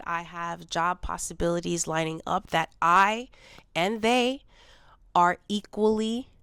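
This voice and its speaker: A woman in her forties speaks candidly to the camera in a personal vlog, her voice slightly congested from a cold. She sounds low on energy. Her voice is a little low, smooth and clear, recorded close in a dry room. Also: fairly bright tone, no room sound. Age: 40s. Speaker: vlogger.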